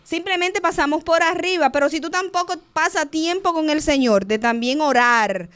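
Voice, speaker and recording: A woman co-hosting a Christian talk show, speaking in an animated, expressive way and acting out her examples. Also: high voice, normal speed. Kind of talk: casual faith discussion.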